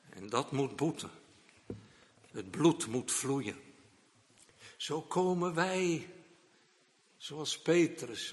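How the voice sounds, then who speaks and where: A male preacher delivering a sermon, emphatic and swinging from quiet asides to loud declamation while repeatedly addressing the congregation. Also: fairly high pitch. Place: church. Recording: long reverb of a church hall.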